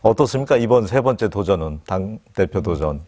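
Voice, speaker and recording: A man's voice: on the low side, expressive, fairly quick, a little mellow. A man hosting a broadcast interview, asking conversational questions and often chiming in with short acknowledgements.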